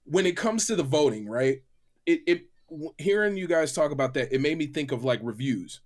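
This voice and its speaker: A fairly high-voiced man talks casually on a panel. His delivery swings up and down a lot, excitable and slangy, with phrases often repeated. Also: normal speed. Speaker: gaming podcast panelist and reviewer. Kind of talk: animated casual panel banter. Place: remote call on a livestream.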